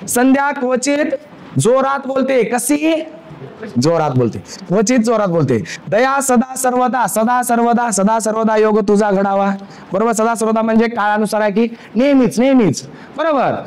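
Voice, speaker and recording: A male teacher giving a grammar lecture. He asks the class questions, answers them himself, repeats key terms and mixes in English words. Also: very high voice.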